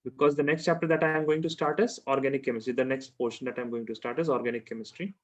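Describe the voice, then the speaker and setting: A man's voice: medium pitch, fairly even intonation, fast talker, highs cut off. A man with a South Asian accent teaching informally, repeating his phrases and often asking questions to check understanding. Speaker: chemistry teacher. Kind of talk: informal one-to-one tutoring.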